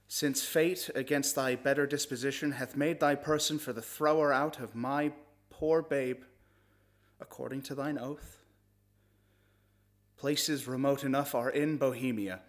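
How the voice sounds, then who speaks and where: A man playing a grieving, reluctant nobleman in a slow, solemn classical stage monologue. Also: mid-range voice, steady tone, natural voice. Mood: sorrowful, haunted. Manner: slow, solemn, formal verse delivery. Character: grieving, reluctant nobleman in Shakespearean tragedy, tender and haunted.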